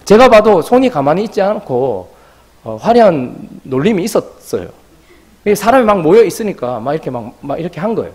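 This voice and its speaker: A man's voice: on the high side, brisk, husky. A man preaching a sermon as pastor, telling a story and acting out the voices of people in it. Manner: animated, acts out quoted voices.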